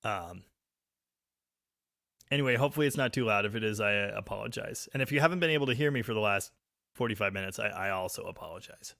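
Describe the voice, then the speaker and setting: A man hosting a live stream, chatting casually and reading viewer comments, with a very loud voice recorded on a phone. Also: fairly low pitch, fast, vocal fry, no room sound, clean studio sound. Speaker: livestream host reading chat. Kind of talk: casual live chat about cars. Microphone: phone microphone.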